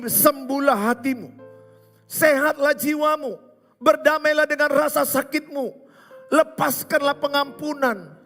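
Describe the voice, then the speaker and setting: A pastor preaching a sermon, hammering points home with repetition and rhetorical questions. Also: male voice, very high-pitched, pushed and bright. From Indonesia. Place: large church hall. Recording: reverberant church hall with music.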